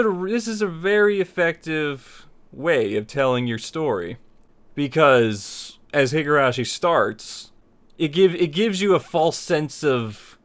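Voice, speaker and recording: A man with a smooth, clean voice at an ordinary male pitch hosts a tutorial. He talks informally to his viewers, circling back to restate points as he explains. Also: fairly bright tone. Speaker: host of a tutorial series on making visual novels. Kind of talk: casual scripted-outline tutorial talk to viewers.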